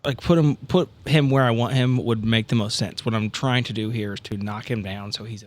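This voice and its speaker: A man's voice: medium pitch, fairly even intonation, a little fast, no echo. A man playing a tabletop role-playing game, chatting casually and thinking aloud in a rambling, informal way.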